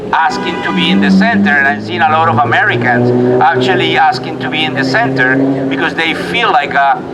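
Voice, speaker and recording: Noticeable background noise and an audible room echo frame this recording. The man's delivery runs fairly quick. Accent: Venezuelan. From Venezuela. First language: Spanish. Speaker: rally speaker. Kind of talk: political rally speech. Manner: halting.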